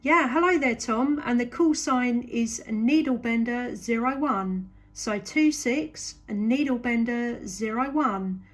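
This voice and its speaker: A woman's voice: on the high side, slow pace, few pauses. A woman with a southern English accent, speaking casually as a radio operator making a long-distance contact.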